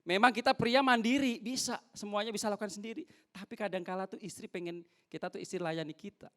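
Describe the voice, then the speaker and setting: High-voiced man preaching. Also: fast talker. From North Sulawesi, Indonesia. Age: young adult. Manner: lively, acts out little dialogues between husband and wife. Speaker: pastor. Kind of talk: sermon. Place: church.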